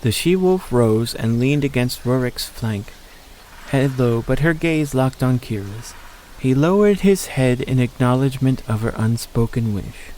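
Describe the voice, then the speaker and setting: Male story narrator, mid-pitched voice. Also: animated, unhurried, warm tone, slight background noise, poor audio.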